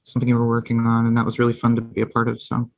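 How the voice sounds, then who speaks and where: A man speaking as a guest author on a podcast, easygoing and quick to laugh, with many ums. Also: medium pitch, completely flat delivery, creaky, no room sound. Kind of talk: casual podcast chat.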